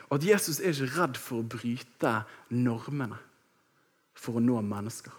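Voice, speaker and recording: A man in his thirties preaching a sermon, telling a personal story with lively, acted-out moments. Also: medium pitch, breathy edge. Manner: lively storytelling, acts out shouting.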